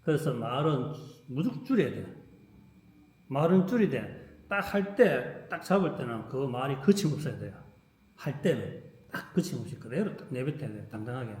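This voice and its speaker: A man teaching a qigong class, emphatic, dropping to a softer voice when acting out thoughts. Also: mid-range voice, expressive, moderate pace, roomy sound. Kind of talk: lecture to a class.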